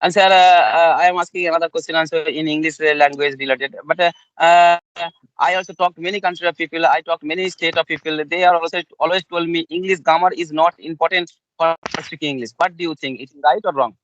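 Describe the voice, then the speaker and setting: A man's voice: a little high, steady tone, fast talker, fairly bright tone, dry recording. Polite interviewer man, dry muffled sound. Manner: polite and deferential, often saying sir and yes, yes. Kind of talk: casual English practice conversation.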